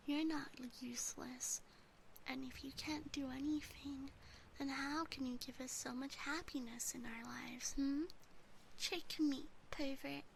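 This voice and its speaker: A woman voicing a cute, fretful, adoring yandere demon sister in a soft, sweet, mostly whispered ASMR roleplay, close on a binaural microphone. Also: sits high, steady tone, a little slow, vocal fry, a little hiss or hum, poor audio. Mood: tender, insistent.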